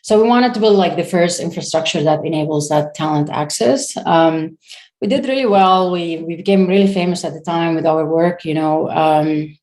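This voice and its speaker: This Syrian woman in her thirties, a startup founder, is a guest in a casual interview. Her voice is unusually low for a woman and a little mellow, and she speaks haltingly, pausing and restarting as she hunts for the right words. The audio quality is poor.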